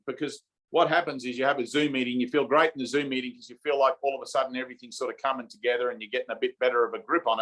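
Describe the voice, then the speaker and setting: A man's voice: medium pitch, a bit bright, low-quality recording. A man leading an informal spiritual teaching session over a video call, often checking in with his listeners with "okay?" and "right?".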